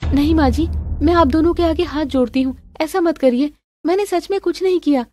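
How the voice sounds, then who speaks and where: A woman's voice: high-pitched, brisk, a little mellow, no room sound, pitched above the performer's own voice, close to an everyday voice. A woman voicing a meek, wronged young daughter-in-law who pleads, in a melodramatic family story. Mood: tearful pleading. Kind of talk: melodramatic audio story acting.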